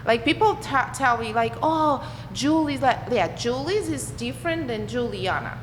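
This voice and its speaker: Brief: young Brazilian-accented woman, fairly high voice, chatty guest, echoey room with background noise. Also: expressive, normal speed. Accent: Brazilian Portuguese. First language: Portuguese. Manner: chatty, restarts, laughs often. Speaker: guest musician. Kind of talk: casual interview chat.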